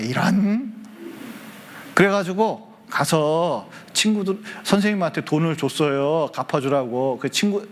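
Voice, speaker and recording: Male pastor, high voice, children's sermon, lively call-and-response with kids. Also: a little hiss or hum. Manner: lively, asks the children questions. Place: church hall.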